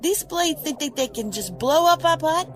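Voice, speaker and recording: Female gang boss, commanding, swaggering, fairly high lively voice, music behind, audio drama. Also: normal speed. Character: bossy female gang leader arming her crew.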